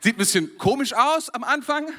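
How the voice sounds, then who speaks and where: A man from Germany preaches with a high, bright voice that swings widely up and down. His delivery is animated, and he chuckles often between phrases as he speaks to his congregation. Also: brisk. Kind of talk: lively sermon to a congregation.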